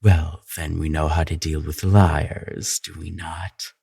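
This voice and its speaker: A man playing a scheming, manipulative royal advisor in a fantasy audio drama, with a sly, flattering, insinuating drawn-out delivery. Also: extremely low pitch, gravelly, slightly rough, dry recording, exaggerated voice. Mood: mocking, smug.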